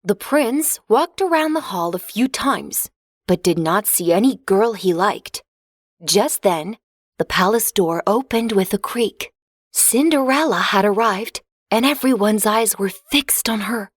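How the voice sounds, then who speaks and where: A woman narrating a children's fairy tale in a clear, expressive storybook reading. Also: medium pitch, measured pace, no room sound, clean studio sound.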